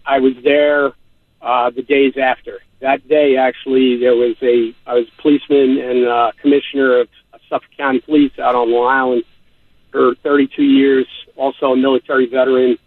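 An older man with a New York accent calling in to a radio talk show, speaking haltingly with many fillers. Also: mid-range voice, little pitch movement, no room sound. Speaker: caller. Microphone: telephone. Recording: phone line.

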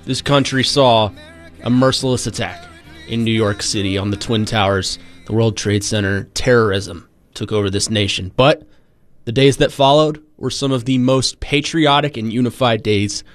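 A young man hosting a sports radio talk show, speaking in an earnest, measured way. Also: fairly low pitch, soft background music. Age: young adult.

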